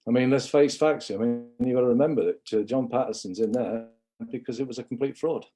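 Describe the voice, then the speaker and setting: A man's voice: medium pitch, fairly quick, dark tone, slightly rough, faint music behind. A man from England giving a rambling, impassioned livestream monologue, often calling viewers "guys".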